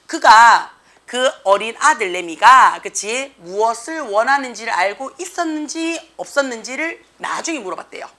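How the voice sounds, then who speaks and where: A woman's voice: on the high side, bright, forceful tone. A young woman teaching an English reading lesson, explaining a passage and checking in with students with constant tag questions.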